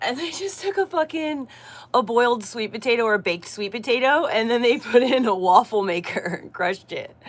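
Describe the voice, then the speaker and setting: Over noticeable background noise, a woman with a high pitch talks at a fairly quick pace, her voice making very wide pitch swings. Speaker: vlogger. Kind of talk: casual chat. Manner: casual, filler-heavy.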